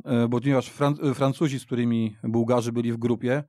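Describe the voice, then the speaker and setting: A man's voice: medium pitch, fairly even intonation, a little fast, warm tone, no room sound, studio quality. A middle-aged man reminiscing in a casual football discussion, rambling and repeating himself as he tells the story. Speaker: football podcast guest. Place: radio studio.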